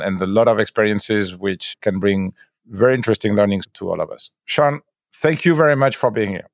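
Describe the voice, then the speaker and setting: Low-voiced man interviewing, dry sound. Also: no echo. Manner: hesitant, repeats words.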